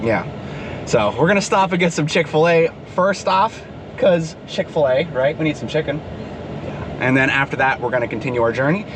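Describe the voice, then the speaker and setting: A young man narrates his day in an upbeat, chatty way, his voice congested and a little nasal from a cold. He talks over clear road and outdoor noise, from a truck cab and a farm. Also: a little high, moderate pace. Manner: upbeat, chatty, explains as he goes. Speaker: vlog host, stable manager. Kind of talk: casual vlog narration.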